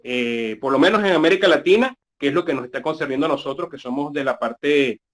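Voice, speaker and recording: A man's voice: fairly high pitch, a little fast. A man from Venezuela, joining an online class and speaking courteously at length. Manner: courteous, long winding remarks. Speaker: participant asking a question. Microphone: video call.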